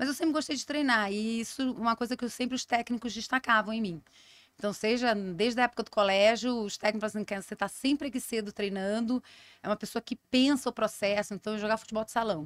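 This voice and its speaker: Speaking very fast in an energetic tone, a woman with a Rio de Janeiro accent has a fairly high pitch, heard dry and close with no echo. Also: ordinary pitch variation. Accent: carioca. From Rio de Janeiro, Brazil. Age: 50s. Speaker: business executive and amateur athlete. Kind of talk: podcast interview.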